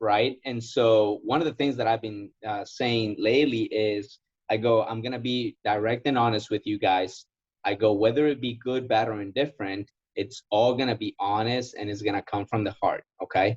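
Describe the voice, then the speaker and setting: A man with a Spanish accent talks at a moderate pace and a medium pitch. His voice is somewhat breathy, with fairly even intonation. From Ecuador. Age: 30s. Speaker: insurance sales agent. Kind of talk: Q&A training talk. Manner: halting, many repetitions.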